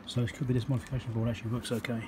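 Racing along in a flat, medium-pitched voice, a man gives casual, unscripted workbench commentary on an electronics repair. He is matter-of-fact, thinking aloud in short fragments, and the hand-held workshop audio is noisy.

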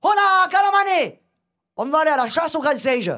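A woman's voice: high-pitched, animated, normal speed, fairly bright tone, voice pushed up. A woman voicing a bossy male tribal chief who belts out chanted calls in mock gibberish. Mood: bossy shouting.

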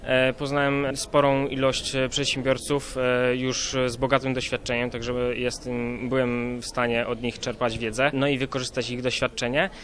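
Man speaking slowly with fillers. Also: medium pitch, level tone, a bit bright. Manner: fillers, slow in places. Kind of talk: news interview.

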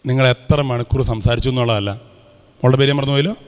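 A man in his fifties from Kerala, a Catholic preacher giving a lively talk to schoolchildren and quizzing them with repeated questions. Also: medium pitch, quick pace. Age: 50s. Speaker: Catholic preacher speaking to students. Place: large hall with student audience. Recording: reverberant hall.

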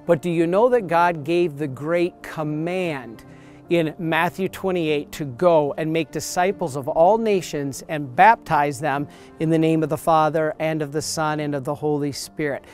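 A priest in his forties speaks straight to the camera outdoors on church steps, earnest and emphatic in a slightly high man's voice. His words come through a clip mic with faint music underneath. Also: measured pace. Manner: earnest, emphatic preaching with hand gestures. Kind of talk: promotional sermon to camera.

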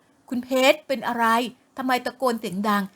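A woman's voice: on the high side, normal speed, close to an everyday voice. Easygoing indulgent father, as a woman puts him on. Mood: coaxing.

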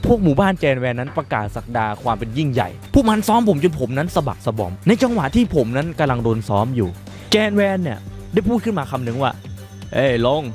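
A man's voice: on the high side, sing-song, fast talker, darkish tone, soft background music. A man telling a dramatic first-person story in colloquial speech, emphatic and suspenseful.

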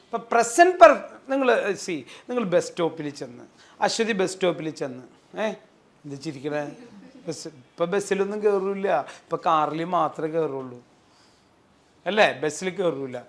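A man's voice: fairly high pitch, unhurried. A man teaching a spoken English class, acting out little everyday scenes and often quizzing the students. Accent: Malayali English. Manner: animated, quizzes students with repeated "yes or no?". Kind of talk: classroom lesson with acted examples.

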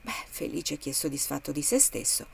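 A woman's voice: deep voice, lively intonation, moderate pace, gravelly, slightly rough, pitched below the performer's own voice, exaggerated voice. Audiobook: woman voicing a curt, uneasy male landowner in debt. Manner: curt, disgusted. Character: indebted, uneasy male plantation owner.

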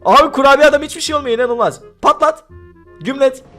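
A young man hosting a gaming video, giving excited commentary with frequent laughter while calling out to his friends. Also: very high voice, quick pace, faint music behind.

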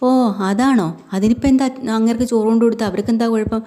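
A woman voicing a brisk middle-aged mother who scolds her daughter but reassures her. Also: a little high, steady tone, dark tone, voice pushed up, close to an everyday voice.

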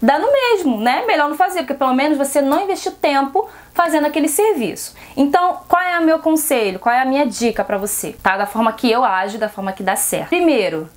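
High-voiced Brazilian woman giving frank advice. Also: lively intonation, fast talker, hardly any pauses. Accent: Brazilian Portuguese. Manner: frank, direct, asks rhetorical questions. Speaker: seamstress vlogger. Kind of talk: casual advice vlog.

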